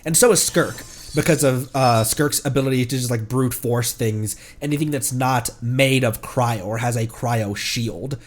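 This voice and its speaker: A man with a stuffed-up nose giving casual, rambling commentary as a livestreamer, often halting and correcting himself. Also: medium pitch, a little hiss or hum. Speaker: livestreamer, VTuber. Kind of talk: casual game stream commentary.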